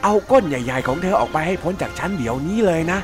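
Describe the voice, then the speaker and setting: A man voicing a cranky anteater who yells at a clumsy visitor to go away. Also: high-pitched, animated, brisk. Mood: angry, shooing. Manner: shouting, scolding. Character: cranky anteater, easily annoyed. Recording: music underneath.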